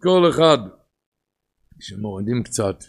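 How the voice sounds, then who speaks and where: A man with an Ashkenazi Hebrew pronunciation giving a sermon in a sing-song study cadence that swings between loud and hushed. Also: mid-range voice, big pitch swings, creaky.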